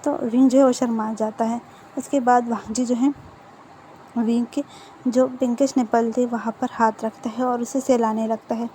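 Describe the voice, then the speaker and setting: Woman casually retelling a story, chatty, highish mellow voice, faint hiss behind. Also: little pitch movement, moderate pace. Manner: chatty, full of fillers and restarts.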